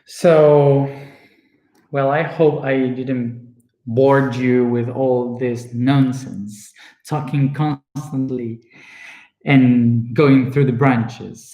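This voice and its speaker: Argentine-accented young man, slow and halting, echoey room, mid pitch. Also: darkish tone. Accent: Argentine Spanish. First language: Spanish. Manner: searching for words, many fillers and restarts. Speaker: spiritual speaker. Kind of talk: casual personal monologue.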